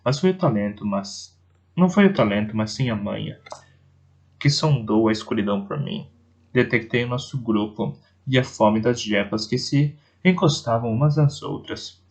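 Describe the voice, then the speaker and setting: Gravel-voiced man reading an audiobook. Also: fairly low pitch, normal speed. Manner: reads with restarts and self-corrections. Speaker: audiobook narrator.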